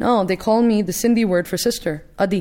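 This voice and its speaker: This woman has a dark, mellow tone and talks with a New York accent. The recording is very clean, with a silent background. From New York City. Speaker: emergency doctor. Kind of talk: interview. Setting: in Karachi, Pakistan.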